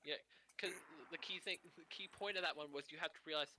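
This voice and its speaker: A man's voice: on the high side, a little fast, pushed and bright, a little hiss or hum, rough recording. A man casually explaining a game's story to his friend, rambling and restarting his sentences. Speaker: co-host guiding the player.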